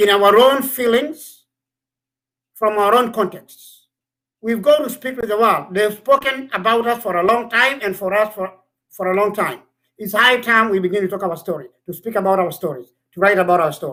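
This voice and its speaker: A man with a Kenyan accent projects a raised, high-pitched voice, bright and sharp in tone and animated. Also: ordinary pitch variation, moderate pace. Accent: Kenyan Maasai English. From Kenya, Maasai. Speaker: scholar. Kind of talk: interview.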